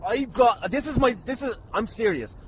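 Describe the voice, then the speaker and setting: With a very high voice and lively intonation, this Irish man hosts a podcast full of casual comic teasing and the odd swear word, speaking at normal speed. Heavy noise fills the recording, and he occasionally sounds a bit far off.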